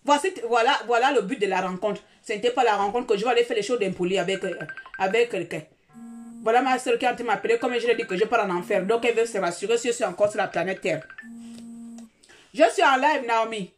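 A woman talking on a live stream, dramatic and repetitive, swinging between loud outbursts and quiet asides. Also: mid-range voice, quick pace. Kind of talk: animated live-stream monologue.

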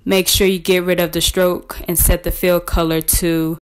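A woman presenting a scripted step-by-step software tutorial in a measured, instructional way. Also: fairly low pitch, little pitch movement, clear, resonant tone, rough recording.

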